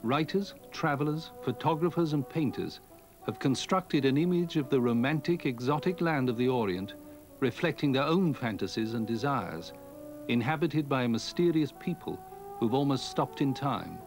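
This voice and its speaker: A man giving a measured, formal scripted narration for a documentary. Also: medium pitch, animated, faint music behind.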